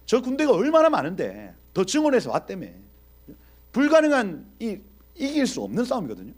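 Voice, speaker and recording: A man teaching a Bible exposition in an animated preaching style, speaking directly to his audience and acting out scenes. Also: high voice, quick pace, husky. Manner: animated, acts out quoted dialogue.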